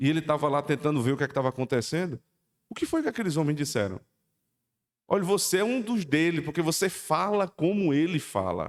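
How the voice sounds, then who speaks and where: A man with a fairly high pitch at a fairly quick pace, very even in loudness, in a very clean recording with a silent background. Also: lively intonation. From Paraíba, northeast Brazil. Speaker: pastor. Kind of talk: sermon.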